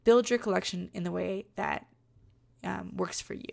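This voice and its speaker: A young woman with a rough voice from being sick, chatting casually over her crafting video in a rambling way. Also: mid-range voice, fairly even intonation, moderate pace. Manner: chatty, rambling, many fillers. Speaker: card-making vlogger.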